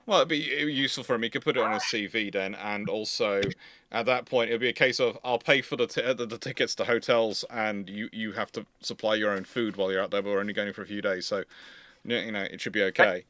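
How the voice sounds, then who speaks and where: A man's voice: fairly low pitch, fairly even intonation, fast, sharp tone, a little hiss or hum. A man hosting a livestream, chatting casually in a rambling, digressive way. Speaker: live stream host.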